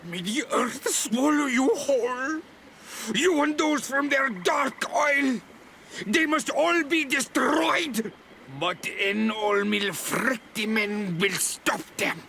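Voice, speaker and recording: A man's voice: extremely high pitch, slow pace, vocal fry, pushed and bright, a little hiss or hum, full character voice. An actor playing a cryptic old tribal elder in a video game, riddling and drawing out his words. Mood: furious grief. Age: older. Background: game music under the voice.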